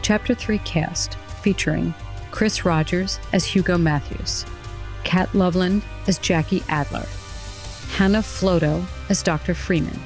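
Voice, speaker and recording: A woman's voice: on the low side, fairly even intonation, measured pace, soft background music. A woman announcer reading scripted credits for an audio series.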